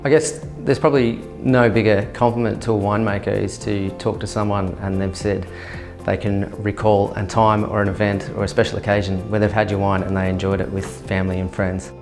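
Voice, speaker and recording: A man, speaking as a winemaker in a filmed interview, measured and dotted with fillers. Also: on the low side, level tone. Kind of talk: documentary interview. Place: indoor winery tasting room. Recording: music bed underneath.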